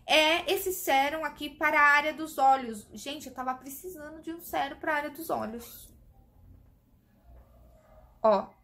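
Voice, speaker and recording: A high-pitched Brazilian woman chats eagerly to camera, reviewing beauty products. She keeps calling out to her viewers while she tries each one on her hands. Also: measured pace, long pauses, a bit bright. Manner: chatty, enthusiastic, addresses viewers as "gente"; demonstrating products while talking. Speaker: beauty vlogger.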